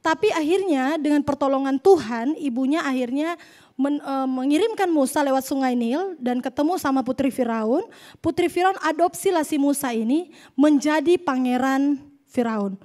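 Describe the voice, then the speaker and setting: High-voiced woman preaching. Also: moderate pace. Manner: lively storytelling, jokes with the congregation. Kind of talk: sermon.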